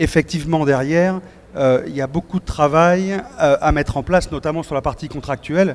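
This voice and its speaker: A man speaks at a fairly quick pace. His pitch is fairly high and his intonation fairly even. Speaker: company executive, conference speaker. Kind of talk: conference panel testimony. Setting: conference with audience. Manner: hesitant, many fillers.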